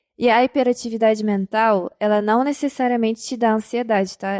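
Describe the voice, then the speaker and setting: On a very clean, dry, close recording with a silent background and no echo, a soft-spoken woman with a fairly high pitch talks at a fairly quick pace in a monotone, flat intonation. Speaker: podcast host. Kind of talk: personal testimony. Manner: casual.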